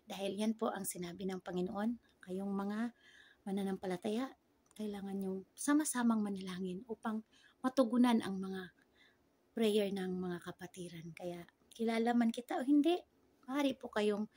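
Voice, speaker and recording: A middle-aged woman with a Filipino accent and a husky voice, speaking earnestly as she leads Christian devotion for online viewers. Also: medium pitch, moderate pace, warm tone, no echo. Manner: earnest, pleading, repeatedly addressing God. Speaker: online Christian prayer leader. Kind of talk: devotional prayer and exhortation to viewers. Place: small indoor room. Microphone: phone at arm's length.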